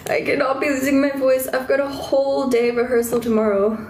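This young woman from South Africa speaks briskly in a high-pitched, fairly even, slightly mellow voice while chatting casually with viewers from her bedroom. Despite a stuffy nose and fading voice she's chatty, easily sidetracked, and squeals over cute things. Her phone is held close, and the room is echoey with a bit of hiss or hum.

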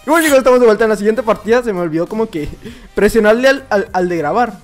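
A young man with a Mexican accent commenting on his own gameplay, excitable and prone to shouts and laughter, muttering to himself between bursts. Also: sits high, fast talker, soft background music. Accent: Mexican Spanish. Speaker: gaming YouTuber. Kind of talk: live Minecraft gameplay commentary.

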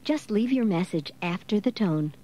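A woman's voice: mid-range voice, lively intonation, moderate pace, dark tone, lo-fi sound. A woman speaking a formal, polite, scripted answering machine greeting, recorded as a voicemail message.

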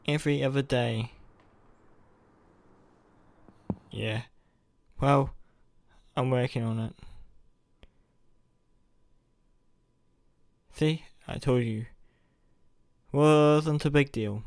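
With a mid-range, darkish voice and no room sound, a young man roleplays a secretly superheroic college student who is awkward and earnest. He sounds apologetic, his delivery hesitant.

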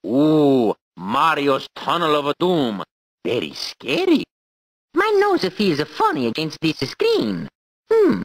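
A woman's voice: deep voice, huge pitch swings, slow pace, dry recording, exaggerated voice. A woman voicing a cheerful adult male Italian plumber hero in a video game, with an exaggerated Italian accent and a playful, exclamatory manner.

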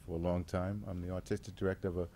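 A man giving an informal public address as a theater director, speaking haltingly with thoughtful pauses. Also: sits low, flat delivery, mellow, a little hiss or hum. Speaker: radio theater artistic director, guest facilitator.

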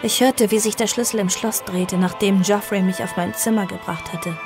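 A woman's voice: medium pitch, fairly even intonation, normal speed, music in the background, natural voice. A woman playing an earnest fifteen-year-old niece who also narrates her story in an audio drama. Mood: earnest narration. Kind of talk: audio drama acting and first-person narration.

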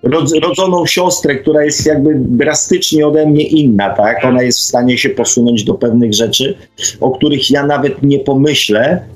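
A man's voice: medium pitch, normal speed, rough recording. A man in a casual debate, speaking emphatically and often checking for agreement with short tag questions. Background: faint music.

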